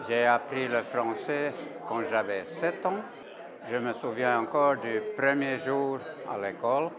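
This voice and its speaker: A man's voice: mid-range voice, unhurried. A man in his seventies, a native Swedish speaker, fluently telling an anecdote with dry humor. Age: 70s. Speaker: alumnus. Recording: busy reception crowd behind.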